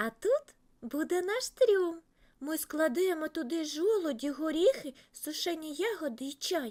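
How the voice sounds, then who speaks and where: A put-on character voice, raised and projected. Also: woman, extremely high pitch for a woman, moderate pace. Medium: read story. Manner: enthusiastic, admiring.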